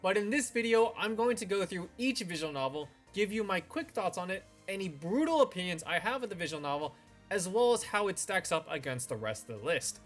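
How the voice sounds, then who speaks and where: A man's voice: high-pitched, big pitch swings, fairly quick, a bit bright. A man presenting semi-scripted review commentary as the host of a video channel. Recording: voice-over with music behind.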